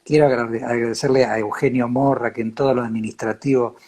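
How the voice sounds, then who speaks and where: A man with an Argentine accent hosting a casual, reflective chat, halting and repeating words as he searches for phrasing. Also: medium pitch, steady tone, darkish tone. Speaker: host of a talk series.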